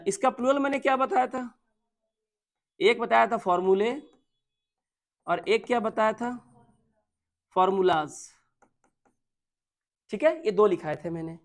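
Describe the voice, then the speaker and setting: A man with an Indian accent teaching an exam-prep grammar lesson, repeating points and putting questions to his students, and reading English sentences out slowly word by word. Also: very high-pitched.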